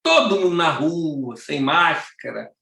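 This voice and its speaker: A man voicing a lost, nervous, talkative woman of seventy, with a high, fretful, pleading voice. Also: sing-song, takes it slowly, vocal fry, bright, forceful tone, exaggerated voice. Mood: chatty. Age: 70s. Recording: roomy echo.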